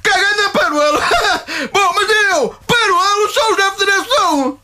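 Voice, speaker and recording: A man playing a blustering provincial football club president in a radio comedy sketch, with a European Portuguese accent and a very high, shrill voice, rambling and defensive with chuckles. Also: moderate pace, noisy background. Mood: indignant.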